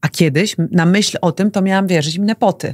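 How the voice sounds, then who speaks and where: Somewhat breathy, a woman talks at a moderate pace against a quiet background. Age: 40s. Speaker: coach. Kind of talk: casual chat. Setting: studio. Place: studio. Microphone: studio mic.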